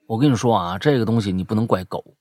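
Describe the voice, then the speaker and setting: A man hosting a casual chat show, telling stories in an animated, emphatic way. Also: fairly low pitch, quick pace, no echo, clean studio sound.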